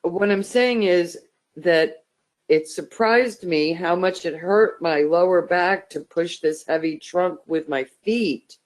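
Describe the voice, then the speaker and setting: A woman's voice: lowish voice, slow pace. A woman in a class, asking questions hesitantly about what she is told. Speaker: class participant.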